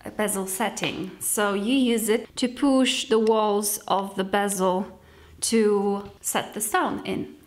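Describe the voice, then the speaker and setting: A woman's voice: mid-range voice, steady tone, slow pace, a little hiss or hum. Young woman, roomy echo. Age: young adult. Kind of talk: casual vlog chat to camera. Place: sparsely furnished room with wooden floor, indoors.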